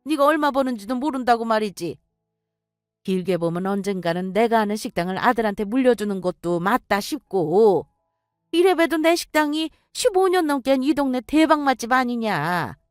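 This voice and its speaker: A woman's voice: on the high side, lively intonation, normal speed, smooth, dry recording, clean studio sound, faint music behind, lightly acted. A woman playing a domineering mother-in-law. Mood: condescending. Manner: condescending, scolding. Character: domineering middle-aged woman, restaurant owner, mother-in-law. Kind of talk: audio drama acting.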